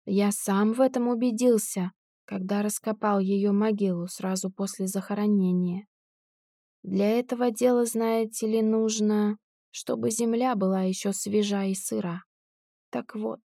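A woman voicing a drunk, cold-blooded male tramp who robs graves, speaking slowly and sneeringly in an audiobook. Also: mid-range voice, steady tone, gravelly, warm tone, no echo, studio quality.

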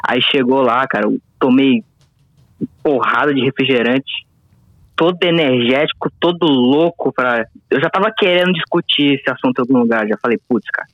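Late-teens male caller heard over the phone, relaxed and profane, dull dry line. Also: medium pitch, moderate pace, no room sound. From Paraná, Brazil. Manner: laid-back, says "man" constantly, swears freely. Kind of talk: casual call-in chat.

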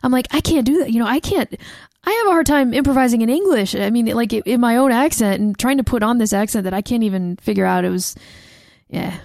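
A young American woman co-hosting a casual chat show, telling a story with lots of fillers and quick laughs. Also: on the high side, vocal fry, darkish tone, dry recording, studio quality. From United States. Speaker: podcast co-host.

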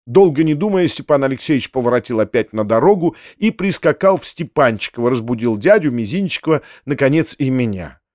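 A man reading a classic novel aloud in steady, expressive scripted narration. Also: medium pitch, a little fast, hardly any pauses, no echo, studio quality. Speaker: audiobook narrator.

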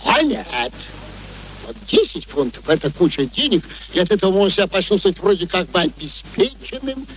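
An actor playing a wheedling, shameless middle-aged working-class rogue, theatrical and ingratiating, in a radio play. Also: male voice, sits high, very animated, a little fast, poor audio.

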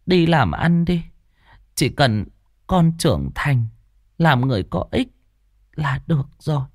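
A kindly old village woman in a storybook speaks softly, in a raised and fussing voice, as a man puts her on. She pleads and dotes rather than scolds. It is close and dry. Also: high voice, lively intonation, normal speed, dry recording, voice pushed up. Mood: tender.

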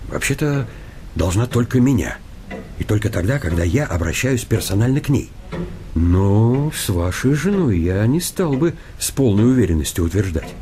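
An actor playing a fussy, self-important hypnotist in a comic radio play, speaking with pompous, bookish politeness. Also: male voice, on the low side, sing-song, moderate pace, mellow, a little hiss or hum. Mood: lofty, wary. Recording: studio radio play with music behind.

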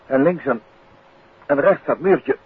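A man's voice: a little high, slow, husky, exaggerated voice. An actor playing a composed, inquisitive male detective, courteous and protective, in a 1950s radio drama. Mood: startled, urgent. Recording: narrow, noisy 1950s radio recording.

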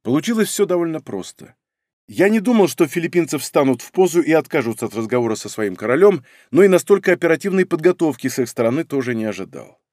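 Lively male audiobook narrator. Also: on the high side, fast, dry recording, studio quality. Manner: wry, conversational storytelling. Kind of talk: first-person audiobook narration.

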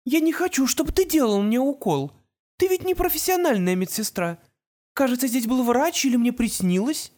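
Woman voicing a shrill possessed mother. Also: lively intonation, normal speed, warm tone. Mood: coaxing. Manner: shrill, shrieking, hissing threats. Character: possessed sickly mother turned vengeful sorceress. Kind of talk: audiobook reading.

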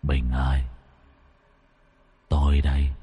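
A man voicing the ghost of a dead man, calling slowly in a hushed voice. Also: rumbling low, monotone, slightly rough, voice pushed down, full character voice. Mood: eerie.

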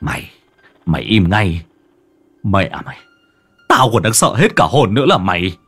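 A man's voice: fairly low pitch, very animated, moderate pace, a bit bright, husky, soft background music, heavily acted. A man playing a brash, foul-mouthed young exorcist who scolds and interrogates. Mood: scolding.

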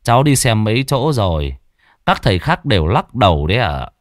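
A man's voice: lowish voice, big pitch swings, a little fast, no room sound, studio quality. A man voicing a nervous, humble middle-aged homeowner who stammers and speaks deferentially. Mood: anxious.

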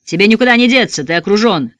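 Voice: mid-range voice, expressive, quick pace, a bit bright, dry recording, studio quality, pitched above the performer's own voice, close to an everyday voice. A narrator voicing a small-town sheriff who calls out firm orders to surrender. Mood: commanding.

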